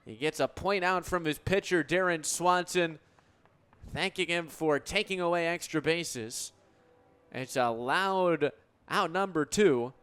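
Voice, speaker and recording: A young American man works as a radio play-by-play broadcaster. His voice sits a little above average in pitch and is very clean and smooth. He describes the action in articulate, flowing calls. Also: unhurried, fairly bright tone. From United States. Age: 20s. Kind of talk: radio sports play-by-play commentary.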